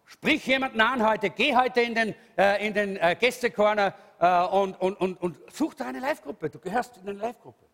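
A man preaching a lively, emphatic sermon, calling out hallelujah. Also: sits high, normal speed. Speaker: pastor. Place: church hall. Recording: reverberant church hall.

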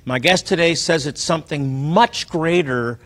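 A man's voice: on the high side, measured pace, a bit bright. An American man hosting a Christian talk show, presenting and interviewing.

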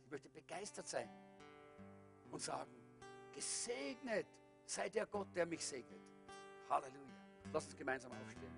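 High-pitched male pastor, fervent sermon and prayer, quiet guitar underneath. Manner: fervent, with repeated hallelujahs.

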